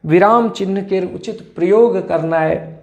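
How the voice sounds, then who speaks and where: A man giving an educational lecture on language teaching, measured and listing terms one by one. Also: high voice, darkish tone. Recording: roomy echo.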